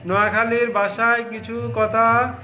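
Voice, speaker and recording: A tired man hosting a late-night live stream from a clothing showroom, reading out viewer comments with many pauses. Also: very high voice, little pitch movement, over music. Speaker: shop host on a live stream. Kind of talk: casual live-stream chat. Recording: echoey, dull phone audio.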